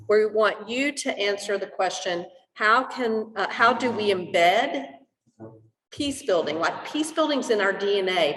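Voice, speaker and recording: A woman facilitator gives clear, organized instructions to a room of club members. Her voice sounds a little distant from the mic, with a roomy echo and long reverb around it. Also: medium pitch, fairly bright tone. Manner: organized, directive. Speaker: meeting facilitator. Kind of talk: giving group instructions. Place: meeting hall. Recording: echoey hall, mic held at a distance.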